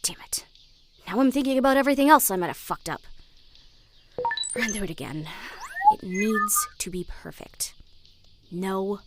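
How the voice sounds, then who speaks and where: A woman's voice: medium pitch, normal speed, long pauses, noisy background, natural voice. An actress playing an intense, sweary, perfectionist young woman and protective older sister in a sci-fi audio drama. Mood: tense, focused muttering. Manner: muttering to herself, self-critical.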